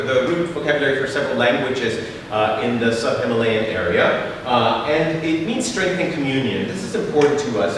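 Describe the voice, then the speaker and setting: A man's voice: mid-range voice, fairly bright tone. A middle-aged man, native Spanish speaker from Mexico, presenting his theater company with slides, full of "uh"s and rhetorical "right?". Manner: many filler sounds, frequent rhetorical "right?". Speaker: theater company artistic director giving a talk. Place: large echoing hall. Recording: echoey hall, voice from far off, faint noise.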